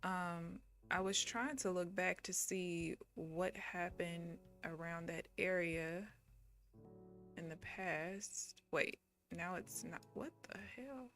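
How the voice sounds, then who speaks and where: A woman's voice: on the low side, slow pace, a bit bright, faint music behind. A young woman from Missouri chatting casually while she trades live, talking to her viewers and laughing often. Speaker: day trading livestreamer. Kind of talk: casual live-stream commentary.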